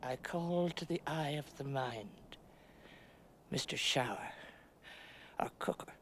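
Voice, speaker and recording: An actress playing a chattering, stoic middle-aged woman buried in the earth, speaking a slow, halting stage monologue. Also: rumbling low, slight background noise, exaggerated voice. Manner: slow, deliberate, halting delivery with long pauses. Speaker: actress in a filmed stage play.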